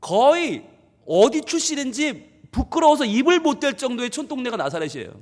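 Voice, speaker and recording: Animated high-voiced male preacher in a hall. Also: moderate pace. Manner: expressive preaching, voices the crowd in quoted lines. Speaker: pastor. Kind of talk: sermon.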